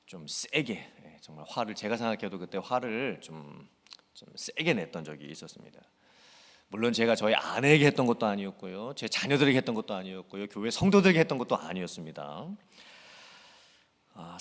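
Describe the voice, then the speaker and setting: A man preaches a sermon as senior pastor, his pitch swinging in lively arcs as he talks earnestly, then drops suddenly soft. His voice rings with the long reverb of a church sanctuary.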